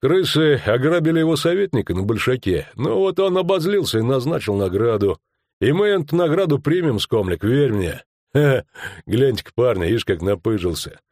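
A man's voice: medium pitch, sing-song, moderate pace, a little mellow, no echo, studio quality, pitched above the performer's own voice. A man voicing a scornful, stubborn black-moustached mercenary with coarse folksy speech.

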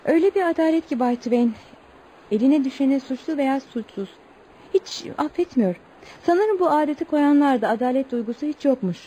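A woman's voice: high voice, lively intonation, moderate pace, mellow, poor audio. An actress playing an earnest young tribal woman who tells her story politely but with indignation in a Turkish radio play. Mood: indignant. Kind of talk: Turkish radio theatre acting.

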